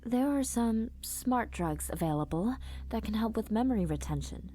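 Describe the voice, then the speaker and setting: A woman playing a careful, concerned school counselor in an audio drama, gently probing and reassuring. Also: fairly high pitch, lively intonation, moderate pace, a little hiss or hum, close to an everyday voice.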